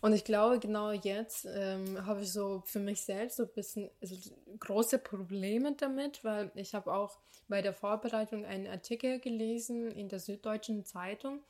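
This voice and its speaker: A woman's voice: medium pitch, steady tone, moderate pace, hardly any pauses, darkish tone. Young woman musing on a podcast. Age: young adult. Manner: thoughtful, many fillers and restarts. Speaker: podcast co-host. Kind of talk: casual conversational podcast.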